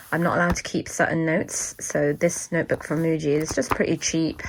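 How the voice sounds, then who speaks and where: A woman speaks with a British accent in a very deep, low pitch, her intonation fairly even. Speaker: planner vlogger. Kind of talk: casual vlog tutorial. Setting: outdoors at kayaking centre.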